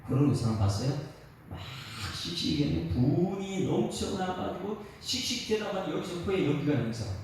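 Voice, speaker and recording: A man's voice: fairly high pitch, big pitch swings, normal speed, a little mellow, slight background noise. A male pastor preaching an emphatic dawn sermon, asking the congregation questions and at times breaking into song. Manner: emphatic, rhetorical questions to the congregation, sings a line. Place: church sanctuary. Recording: echoey church hall from a distance, faint ambience.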